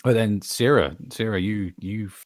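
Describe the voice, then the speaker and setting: A man's voice: lowish voice, unhurried, dry recording, clean studio sound. A man voice actor chatting casually as he is interviewed. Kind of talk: casual chat.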